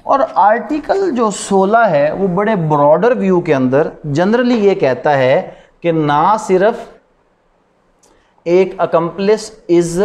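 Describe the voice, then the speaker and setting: In a classroom lecture, a law lecturer with a Pakistani accent mixes Urdu with English legal terms. His voice is high with a darkish tone, and he teaches didactically, repeating points and posing rhetorical questions.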